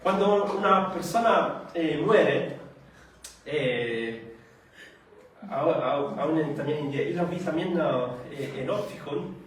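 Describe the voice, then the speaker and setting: A man preaching a sermon, speaking slowly and haltingly with frequent hesitations and rhetorical questions. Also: a little high, slight background noise. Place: church meeting hall. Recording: echoey hall recorded from far off.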